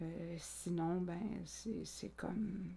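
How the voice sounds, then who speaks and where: A woman speaks with vocal fry, a fairly low pitch and fairly even intonation. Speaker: knitting vlogger. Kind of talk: casual vlog talk to camera. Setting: home office. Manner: hesitant, many fillers.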